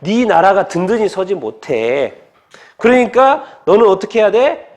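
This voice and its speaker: A man's voice: sits high, expressive, moderate pace, creaky. A male preacher voicing an angry older king who berates his son. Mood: raging. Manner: shouting and scolding. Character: furious older king, a raging father.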